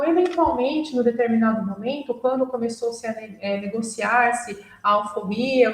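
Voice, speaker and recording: A young Brazilian woman with a Brazilian Portuguese accent giving a literature lecture, measured and explanatory with frequent fillers. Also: on the high side. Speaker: university lecturer. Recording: echoey room, mic at a distance.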